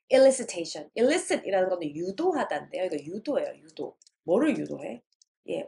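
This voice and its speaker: A woman lecturing on English teaching methods, explaining in Korean and reading English definitions slowly, sometimes acting out a teacher and a student. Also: fairly low pitch, gravelly, mellow. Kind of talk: recorded lecture.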